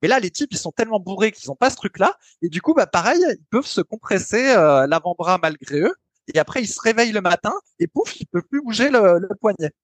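High-pitched male podcast co-host, chatty, hesitant fillers, dry close sound. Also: sing-song, fast, no room sound. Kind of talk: casual podcast chat.

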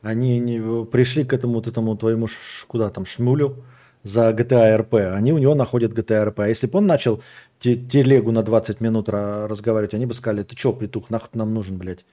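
A man's voice: lowish voice, fairly even intonation, quick pace, dark tone. A man chatting casually in a blunt way, with crude slang. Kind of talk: casual chat.

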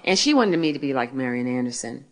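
Deep-voiced woman in her sixties testifying. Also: very animated, fast. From Philadelphia, United States. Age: 60s. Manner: storytelling, asks and answers her own questions. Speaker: author and speaker. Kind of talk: faith testimony talk to an audience.

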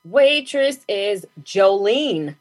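A woman's voice: medium pitch, animated, very slow, soft background music. A woman hosting a casual chat, reacting to a guest's story with playful jokes. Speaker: podcast host.

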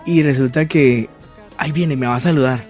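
A man's voice: mid-range voice, normal speed, a little mellow, soft background music. A man, co-hosting a casual Christian talk show, who chuckles often and acts out a couple in quoted dialogue. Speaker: co-host. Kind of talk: casual chat on a Christian program.

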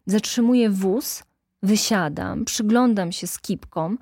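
A woman reading an audiobook, voicing a brisk middle-aged woman activist who tells her stories in a lively, indignant way. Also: mid-range voice, slightly rough, no echo, studio quality.

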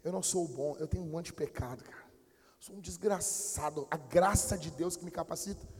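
A man with a Brazilian accent preaching a sermon in a church, blunt and slangy, dropping to low mutters and then bursting into shouts. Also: fairly quick, breathy edge, long reverb tail. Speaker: pastor.

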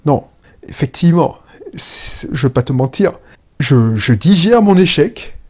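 Man, entrepreneur, casual monologue, slightly high voice, lots of restarts. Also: measured pace, husky. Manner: animated, frequent restarts and self-corrections. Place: indoor room with air conditioning. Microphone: own microphones.

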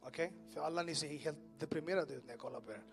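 A man telling his personal testimony to a live audience, animated, asking listeners questions and making sound effects. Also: on the high side, over music. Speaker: speaker giving a personal testimony. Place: in front of an audience in a room.

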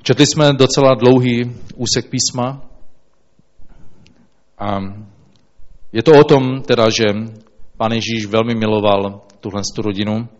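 A man reading scripture aloud and then preaching, in a slow, measured way with small restarts. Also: medium pitch, fairly even intonation. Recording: dull lo-fi recording.

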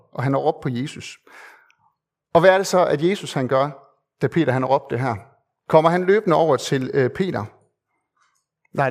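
A male preacher delivers a sermon in a fairly high voice. He speaks earnestly and conversationally, pausing on fillers and repeating phrases to stress his point.

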